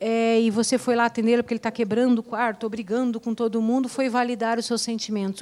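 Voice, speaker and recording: Speaking with hardly any pauses, a woman has a normal speaking voice at a fairly high pitch. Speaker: psychologist, council panelist. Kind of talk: panel discussion answer. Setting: event hall with audience, streamed online.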